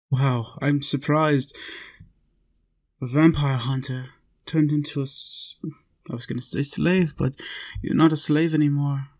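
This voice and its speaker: A man acting as an ageless, youthful vampire speaks slowly and deliberately, in a very even tone. He coaxes tenderly and possessively, as if to one listener in an intimate roleplay audio. His pitch is middling and barely moves. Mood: tender, teasing. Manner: coaxing, deliberate, pausing between short phrases.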